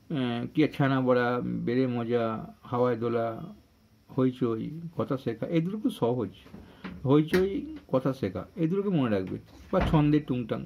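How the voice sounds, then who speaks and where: Male primary tutor, husky mid-pitched voice, conversational question-and-answer teaching, slightly muffled lo-fi sound. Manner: conversational, asks questions and answers them himself. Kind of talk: informal explanatory lesson. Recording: dull lo-fi sound.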